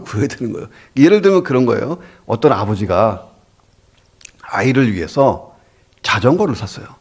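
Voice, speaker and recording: A man's voice: medium pitch, breathy edge. A male pastor giving a sermon, telling humorous stories and acting out the voices of his characters. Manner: animated storyteller, acts out the voices of his characters.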